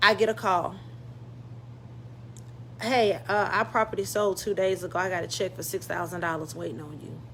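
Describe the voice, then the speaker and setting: Very wide pitch swings and big swings in loudness in a Southern US accent, with vocal fry, a moderate pace and long, frequent pauses. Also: woman, fairly low pitch for a woman. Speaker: life coach, motivational speaker. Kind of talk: casual motivational livestream talk.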